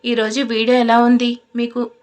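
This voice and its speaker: Higher-voiced woman reading a story. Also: monotone, moderate pace, a little mellow. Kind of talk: scripted audio story narration.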